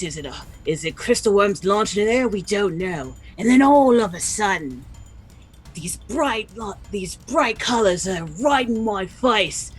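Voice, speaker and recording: A woman's voice: medium pitch, slightly rough. A woman voicing a small, boastful Australian noblin adventurer telling a dramatic tall tale in a tabletop game. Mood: dramatic suspense.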